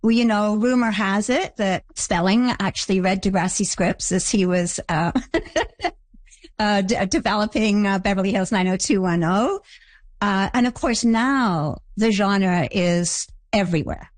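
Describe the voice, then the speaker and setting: An older woman from Canada giving reflective, halting interview answers about a show she created. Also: medium pitch, no room sound. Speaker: guest, creator of a teen drama.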